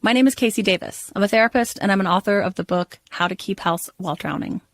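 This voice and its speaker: A woman's voice: medium pitch, quick pace, dry recording. Woman therapist voicing a podcast promo; plain, reassuring read, dry booth sound.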